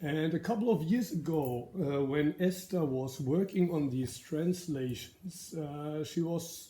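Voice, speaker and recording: Speaking at a very slow pace with hardly any pauses, a man with a German accent uses a fairly high pitch and ordinary pitch variation. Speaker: Zen teacher. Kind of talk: dharma talk.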